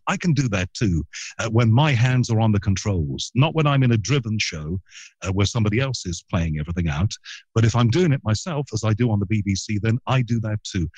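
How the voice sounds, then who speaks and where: A middle-aged radio broadcaster from Liverpool with a trained neutral English accent tells long, rambling stories with plenty of asides in a guest interview. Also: male voice, lowish voice, animated, brisk, darkish tone, husky, no room sound. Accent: neutral southern English broadcast accent. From Liverpool, England. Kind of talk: anecdotal interview storytelling.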